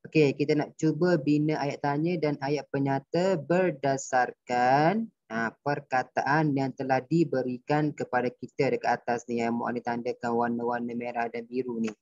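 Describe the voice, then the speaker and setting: A man's voice: mid-range voice, level tone, moderate pace, darkish tone, no echo. Malaysian male teacher, patient and repetitive, online lesson, dry lo-fi sound. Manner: patient, repetitive explaining, quizzing pupils. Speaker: primary school teacher. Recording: dull dry lo-fi recording.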